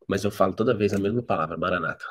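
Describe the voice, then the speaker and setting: A man's voice: low-pitched, rapid-fire, a bit bright, slight background noise. A man with a Brazilian Portuguese accent, preaching a live devotional sermon, telling stories bluntly and directly.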